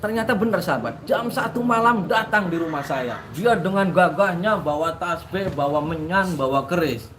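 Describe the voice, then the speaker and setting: A man's voice: high voice, animated, normal speed, few pauses, noisy background. A man who works as a spiritual practitioner, telling a dramatic personal story to his listeners with frequent restarts.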